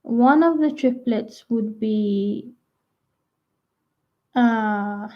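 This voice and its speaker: A young adult woman rambling casually to her viewers, full of "like" and restarts, her voice croaky at times. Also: on the high side, drawn-out words. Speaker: vlogger. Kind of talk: rambling casual chat to camera. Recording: dull lo-fi sound.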